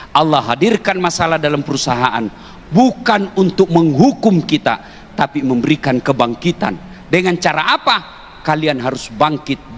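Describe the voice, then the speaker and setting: A man preaching a humorous sermon to an audience, joking and teasing, with bursts of shouting. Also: on the high side. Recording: reverberant hall with faint noise.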